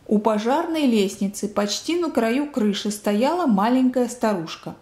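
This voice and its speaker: A woman reads a children's story aloud with lively storytelling. Her voice sits on the high side and rings in a roomy space. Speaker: reader. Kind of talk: reading a children's book aloud. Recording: roomy echo.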